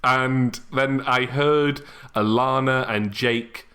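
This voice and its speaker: Male podcast host, middle-pitched. Casual, bantering, self-deprecating chat. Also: steady tone, slow pace, sharp tone, clear, resonant tone. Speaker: podcast host and audio drama creator.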